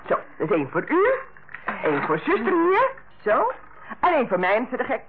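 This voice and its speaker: A garrulous, good-natured household help from an old radio play. Her folksy chatter swings widely up and down and is prone to blundering. The sound is thin and tinny, with clear background noise. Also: fairly high pitch, wildly swooping pitch, brisk. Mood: bustling. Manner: folksy, garrulous, hesitant when embarrassed.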